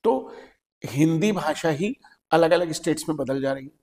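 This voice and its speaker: A man's voice: on the high side, moderate pace, darkish tone, big-room sound. A man with an Indian accent, an English teacher hosting a podcast, explaining patiently and repeating his key points.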